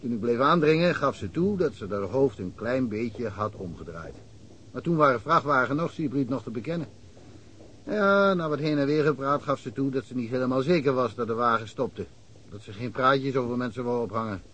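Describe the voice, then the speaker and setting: An actor playing a chatty rural police chief in a radio play, rambling through anecdotes. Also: male voice, medium pitch, expressive, normal speed, fairly bright tone, close to an everyday voice, poor audio. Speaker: village policeman. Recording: old radio play with faint hiss.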